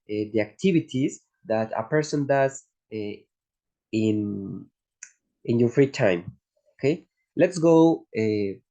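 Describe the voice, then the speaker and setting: A male teacher walks his class through an activity, stopping often on filler sounds as he goes. His voice is mellow and warm, with a mid-range pitch. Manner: hesitant, frequent uh fillers. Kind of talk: classroom instructions.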